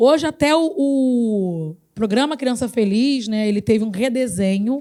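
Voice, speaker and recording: Very clean recording with a silent background, a woman with a Rio de Janeiro accent, fairly high pitch and a dark, mellow tone. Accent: carioca. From Rio de Janeiro, Brazil. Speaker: psychologist and lecturer. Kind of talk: workshop talk.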